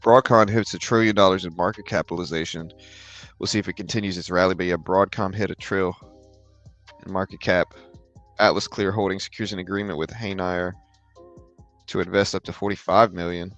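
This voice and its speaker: A tired man with a very deep voice, hosting a live trading stream in a relaxed, rambling way and answering chat questions. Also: brisk, soft background music. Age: adult with a daughter. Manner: relaxed, rambling, filler-heavy explaining. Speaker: livestream trading host. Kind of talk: casual live market commentary, reading chat questions.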